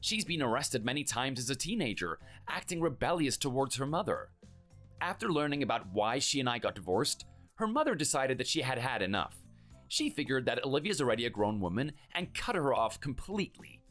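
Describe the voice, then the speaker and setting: A divorced man calmly recounts his ex-wife's downfall in scripted narration, voiced by a man. His mid-range voice rises and falls with lively pitch. Soft music plays underneath. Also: fairly quick. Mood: satisfied.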